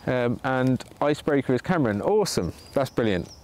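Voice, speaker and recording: A man's voice: mid-range voice, animated, a little fast, darkish tone, a little hiss or hum. A man hosting a bushcraft livestream outdoors in the woods, chatting casually with viewers while he demonstrates. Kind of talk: casual live commentary while working. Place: sunny woodland outdoors. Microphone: camera pointing down at his hands.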